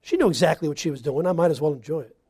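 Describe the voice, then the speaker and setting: A man preaching a sermon, moving between loud emphatic lines and quiet, hushed ones. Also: fairly high pitch, rapid-fire, breathy edge, no echo, studio quality.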